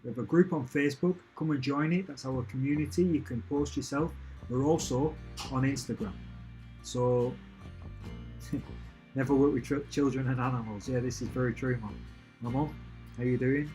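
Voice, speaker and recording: The recording is rough, with soft music in the background, and the man's mid-range voice is warm, fairly even in intonation, and at normal speed. He's a channel host streaming from home near his family and cat, chatting cheerfully and meanderingly as he takes live questions, frequently starting sentences over.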